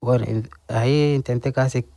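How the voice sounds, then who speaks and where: Halting man, mellow voice. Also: medium pitch, steady tone, no echo. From Sudan. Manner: hesitant, halting, searching for words. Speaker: interview guest. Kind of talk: radio interview. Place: radio studio.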